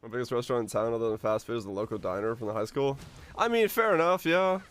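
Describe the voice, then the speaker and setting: A man's voice: medium pitch, animated, quick pace. A man from Finland chatting casually and informally with viewers as a game livestreamer, musing aloud with some mild swearing. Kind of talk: casual chat with stream viewers.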